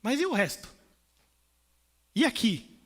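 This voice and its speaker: A man's voice: extremely high pitch, sing-song, slow pace, a bit bright. A young man with a São Paulo Brazilian accent preaching a sermon in a church, telling stories and acting out the voices of people in them. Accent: Brazilian Portuguese, São Paulo. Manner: storytelling, acts out voices of people. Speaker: pastor. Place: church, indoors.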